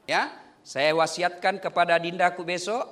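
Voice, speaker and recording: A man's voice: high-pitched, moderate pace. A man preaching a humorous sermon on marriage, joking with the congregation as he goes. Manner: joking, lively delivery with playful asides to the congregation.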